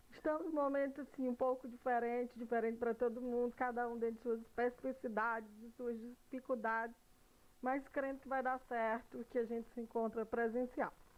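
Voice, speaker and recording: At a moderate pace, a woman talks with high pitch and monotone, flat intonation. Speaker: university lecturer. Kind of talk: recorded online lecture.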